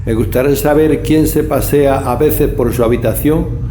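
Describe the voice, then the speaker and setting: Un hombre interpretando a un viejo sirviente apagado, con eco. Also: male voice, medium pitch, moderate pace, slight background noise, natural voice. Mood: deferential worry. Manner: deferential, hesitant, gossipy. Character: old wrinkled male college servant, deferential, worried, fussy. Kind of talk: Spanish audio horror drama acting. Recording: roomy echo, soft music behind.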